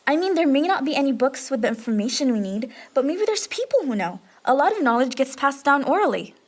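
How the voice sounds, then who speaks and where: A woman's voice: high voice, big pitch swings, fairly quick. A woman playing a bossy, dry-witted young adventurer with a decisive manner in a comic fantasy audio drama. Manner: decisive, wry.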